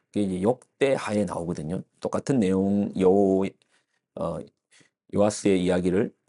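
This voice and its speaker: A man delivering an early-morning church sermon in a low, mellow voice. He explains the passage step by step, often pausing on fillers and restarting words mid-phrase. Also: creaky. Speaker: pastor.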